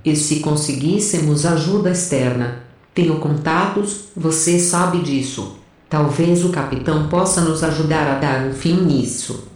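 A woman's voice: sits low, measured pace, a little mellow. An actress playing a defiant, foul-mouthed female rebel soldier, brash and insistent, in an audio drama. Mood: defiant, urgent. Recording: very echoey, slightly distant.

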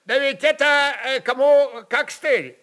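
Man playing sly, high-voiced taunting Cossack. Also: fairly even intonation, slow pace, pushed and bright, exaggerated voice. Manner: needling, mock-curious.

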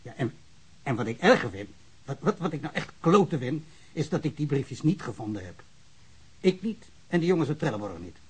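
A man's voice: medium pitch, very animated, normal speed, slightly rough. An actor playing an emotional, stammering small-town policeman in a radio drama. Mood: agitated, sheepish. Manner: stammering, repetitive, rambling.

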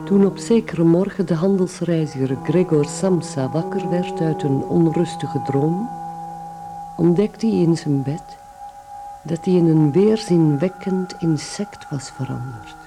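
An actor as a sober storyteller, giving measured, deliberate literary narration in a radio play. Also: male voice, a little high, over music.

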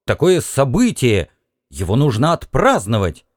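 A man's voice: mid-range voice, huge pitch swings, unhurried, no room sound, clean studio sound. A man playing an overconfident spaceship captain who talks in a hearty, pushy way, in an audiobook reading. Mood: insistent.

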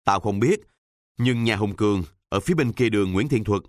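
A man's voice: lowish voice, lively intonation, normal speed, dry recording, studio quality, lightly acted. A man voicing a cocky, streetwise teenage boy who teases in a mocking way and talks full of slang, in a storybook reading. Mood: teasing.

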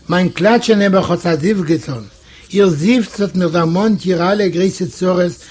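A man from Eastern Europe reading a classic story aloud in measured storytelling. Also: high voice, darkish tone. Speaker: audiobook narrator. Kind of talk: scripted literary narration.

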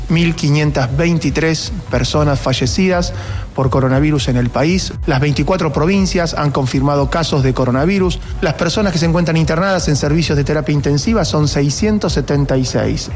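Official guy reading numbers, steady, kinda higher voice. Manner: steady, figure-heavy report. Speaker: government official. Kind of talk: official press briefing.

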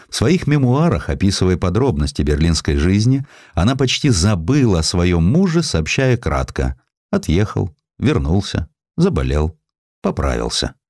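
Male audiobook narrator for historical prose: low register, lively intonation, measured storytelling, close dry sound. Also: dry recording. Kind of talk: scripted literary narration of a historical sketch.

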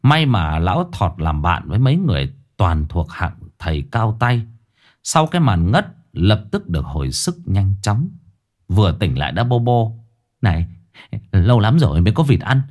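Lively man telling a ghost story. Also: lowish voice, normal speed. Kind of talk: scripted ghost story narration.

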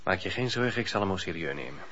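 An actor playing a stern, suspicious husband with a formal, sardonic manner in a radio play. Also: male voice, sits low, lively intonation, fast, fairly bright tone. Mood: cool, sardonic. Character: stern, suspicious husband, dignified master of the house. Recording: dull lo-fi radio play recording.

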